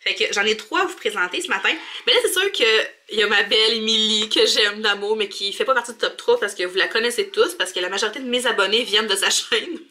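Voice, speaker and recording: Young quebec woman vlogging in her bathroom, super bright voice, chatty and slangy. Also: medium pitch, fast, few pauses. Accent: Quebec French. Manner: informal, colloquial, chatty. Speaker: mom vlogger. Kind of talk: casual vlog chat to camera. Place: home bathroom.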